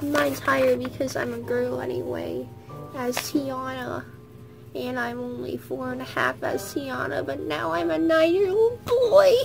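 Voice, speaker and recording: A panicky young boy is trapped in a little girl's body and whines in a squeaky high voice, as a woman voices him. He speaks slowly, with faint music behind. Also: creaky, heavily acted, low-quality recording. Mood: puzzled. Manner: whiny, panicky.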